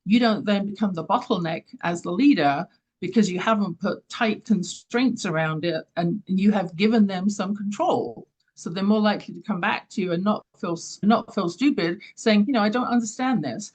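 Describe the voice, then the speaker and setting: Earnest older Englishwoman. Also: lowish voice. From London, England. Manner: earnest, emphatic, speaks with conviction. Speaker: guest, leadership coach and author. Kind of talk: interview answers.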